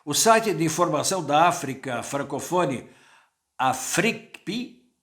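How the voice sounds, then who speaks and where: Slow, deliberate older journalist man. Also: fairly high pitch, expressive, fairly bright tone. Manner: unhurried, quotes sources, asks rhetorical questions. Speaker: journalist commentator. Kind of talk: reflective spoken commentary.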